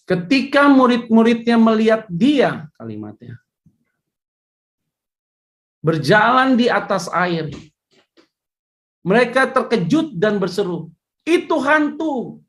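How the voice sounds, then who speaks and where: A woman's voice: mid-range voice, sing-song, slow, pauses often. A woman pastor, preaching a casual sermon in a chatty way, with joking asides.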